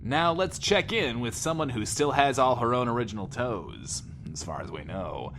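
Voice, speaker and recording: A man's voice: medium pitch, expressive, moderate pace, creaky, background noise. A man playing a brash, wry, theatrical post-apocalyptic radio show host in an audio drama. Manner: theatrical, sardonic.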